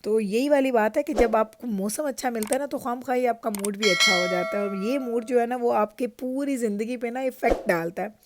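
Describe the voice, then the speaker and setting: A woman's voice: on the high side, brisk, hardly any pauses, background noise. A middle-aged woman with a Pakistani Urdu accent, chatting through a home vlog and telling stories with frequent laughter. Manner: chatty and storytelling, laughs often. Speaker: vlogger. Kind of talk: casual vlog narration. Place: home in Canada.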